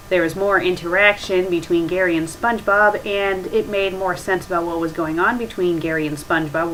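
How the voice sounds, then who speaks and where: A woman's voice: on the low side, fairly bright tone. A woman casually reading aloud and critiquing as a web show host, blunt and nitpicking, recorded on a webcam microphone. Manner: blunt, nitpicking, mildly profane. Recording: noisy webcam microphone with ambient hiss.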